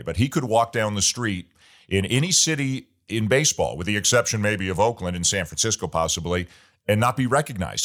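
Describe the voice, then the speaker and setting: A man hosting a baseball interview show, talking in a relaxed, opinionated way with easygoing asides between his questions. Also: lowish voice. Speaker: podcast host.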